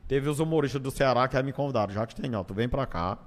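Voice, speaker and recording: A man's voice: medium pitch, fast. A man with a northeastern Brazilian accent, telling stories casually as an interview guest, in a colloquial way that acts out bits and repeats phrases. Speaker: stand-up comedian, interview guest. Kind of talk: casual conversational storytelling. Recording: long hall-like reverb.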